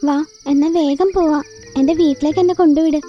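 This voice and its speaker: A woman's voice: high voice, steady tone, fairly quick, mellow, highs cut off, faint music behind, natural voice. A woman voicing a naive, fretful young girl bird in a children's cartoon, childlike and earnest. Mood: anxious.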